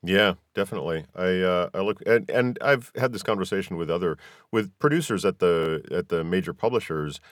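Low-voiced male interviewer, dry sound. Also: a little fast, no echo. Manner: curious, roundabout questioning. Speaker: podcast host, interviewer. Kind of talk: casual interview talk.

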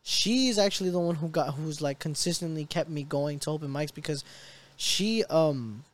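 A man's voice: on the high side, moderate pace. A young man, a stand-up comedian guest, telling rambling stories in casual chat, full of "like" fillers. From Tennessee. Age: young adult. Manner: rambling storyteller, many "like" fillers.

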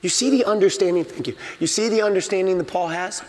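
Pastor guy preaching, pretty high voice, big echo tail from the church hall. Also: fast talker. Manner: emphatic preaching, acts out inner voices. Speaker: senior pastor. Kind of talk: sermon. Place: church sanctuary.

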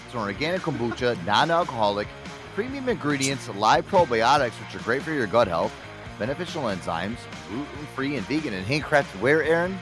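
Over music, a man hosts a casual radio-style talk show, reading sponsor ads and bossing his co-host around in a brash, joking way, laughing often. His voice is medium-pitched, very animated and fairly quick.

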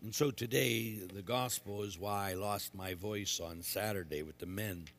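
A man's voice: on the low side, unhurried. A man serving as a priest, reading the gospel and giving an emphatic Catholic homily in a church. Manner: emphatic preaching with forceful repeated warnings. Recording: long church reverb.

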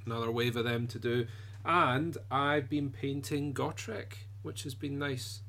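A man co-hosting a hobby podcast, chatting casually and quietly with frequent restarts and fillers. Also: mid-range voice, fairly even intonation. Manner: soft-spoken, halting, full of restarts. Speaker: podcast co-host and miniature painter. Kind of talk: casual chat.

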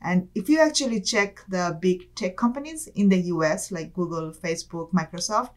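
A woman's voice: fairly low pitch, normal speed. A woman in her thirties from Bangladesh with a Bangladeshi accent, a business school student chatting as an interview guest, often saying "like" and "kind of". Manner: chatty, frequent "like" and "kind of", light laughs. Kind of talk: conversational interview.

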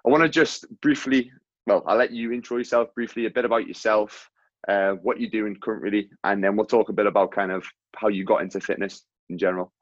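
A man hosting a podcast in casual chat, calling his guest mate, his voice coming through low-quality, lo-fi audio from a faulty mic and a weak connection. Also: fairly even intonation, a little fast, no echo. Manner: chatty, friendly, calls the guest mate. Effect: low-quality audio from a faulty mic and wifi. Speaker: podcast host. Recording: dull, lo-fi, dry mic audio.

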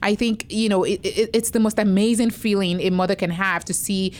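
A woman's voice: medium pitch, fairly even intonation, brisk, a little mellow. A woman hosting a podcast, speaking reflectively in long, winding sentences during a casual interview. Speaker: podcast host.

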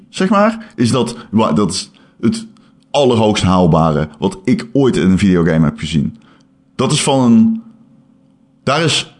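Animated man telling stories, swearing freely. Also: lowish voice. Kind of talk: casual chat.

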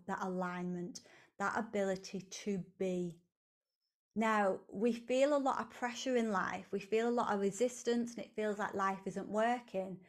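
A woman gives a motivational solo talk at an unhurried pace. Her pitch sits in an ordinary middle range. She talks earnestly and repeats her phrases as she coaches the listener. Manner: slow, earnest, repetitive phrasing. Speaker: podcast host, coach.

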